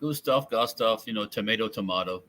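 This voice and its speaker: A man's voice: on the low side, fairly quick, a bit bright. A man chatting casually about guns, rambling and trailing off, often chuckling. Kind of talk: casual firearms chat.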